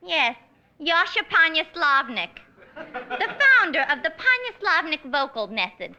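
Loud proud new gal, high and lively, 1940s radio comedy vibe. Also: female voice, a little slow, dull audio, heavily acted. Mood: chatty. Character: brassy, boastful young woman who sings badly.

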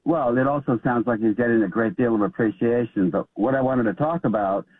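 A man's voice: mid-range voice, husky, dry recording. Man calling in over a tinny phone line. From California. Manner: hesitant, halting, with many restarts. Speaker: caller. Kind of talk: call-in explanation on talk radio.

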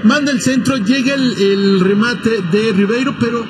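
A man's voice: very high voice, normal speed, a little hiss or hum. A man giving conversational analysis as co-commentator on a live soccer broadcast.

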